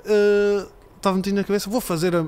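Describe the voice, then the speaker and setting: A man in his thirties chatting on a podcast, telling lively stories about his young daughters and acting out their voices. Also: high voice, fast talker, clean tone. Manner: animated storytelling, imitating his daughters' voices. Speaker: podcast guest. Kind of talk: casual podcast chat.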